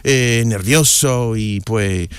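Halting man. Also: on the low side, clean tone, no echo, studio quality. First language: English. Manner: halting, many fillers and restarts. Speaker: guest, columnist. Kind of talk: casual interview talk.

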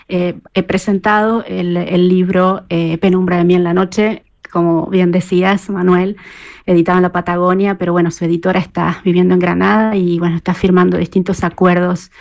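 A woman from Argentina, answering interview questions as a poet and researcher, pausing often with fillers and restarts. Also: lowish voice, vocal fry, darkish tone, dull audio. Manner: hesitant, many fillers and restarts.

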